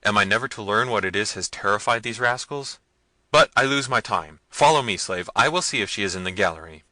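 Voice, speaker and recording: A man's voice: lowish voice, expressive, brisk, pushed and bright, no echo, poor audio. A man voicing an imperious, short-tempered prince in a gothic story, commanding and scornful. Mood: furious, commanding. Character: imperious, hot-tempered prince and castle lord. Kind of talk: dramatised gothic novel reading.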